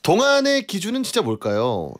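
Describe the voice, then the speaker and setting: A man's voice: high voice, huge pitch swings, normal speed. A man around thirty hosting a live radio show as guest DJ, chatting casually and politely with playful teasing on a close studio mic. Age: late 20s to around 30. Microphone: close studio radio microphone.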